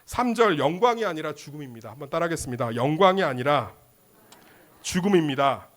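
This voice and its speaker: A male pastor preaching a sermon with passion, swinging between loud exclamations and hushed lines. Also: fairly high pitch, lively intonation, a little fast.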